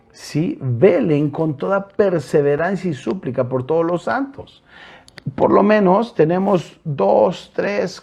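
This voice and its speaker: A man with a Mexican Spanish accent delivers a sermon in an earnest, direct way, often turning to his listeners. His voice sits a bit high for a man, with a mellow, dark color and a husky edge. Now and then he hesitates over a filler before moving on. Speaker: pastor.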